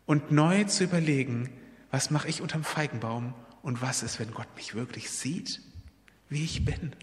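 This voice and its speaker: A man's voice: medium pitch, moderate pace, big-room sound. A man preaching a sermon, retelling a Bible story in an earnest, personal way and appealing directly to his listeners.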